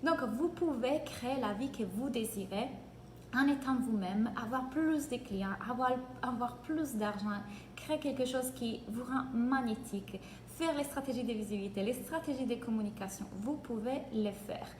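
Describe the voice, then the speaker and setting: A woman from Italy with an Italian accent, giving an energetic live-streamed coaching session in French and greeting viewers by name. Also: on the high side, moderate pace, slight background noise. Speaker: business coach. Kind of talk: live-streamed free training. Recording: echoey room, faint ambience.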